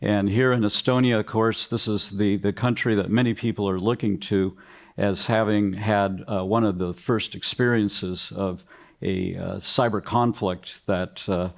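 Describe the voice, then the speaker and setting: Older guy on a conference panel, fairly low voice, polite and measured. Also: steady tone, gravelly. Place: conference hall stage.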